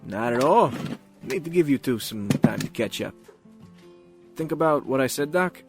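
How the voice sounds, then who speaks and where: Lively-pitched, easygoing cop played by a man. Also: normal speed, music in the background, natural voice. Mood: concerned. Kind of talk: naturalistic audio drama acting.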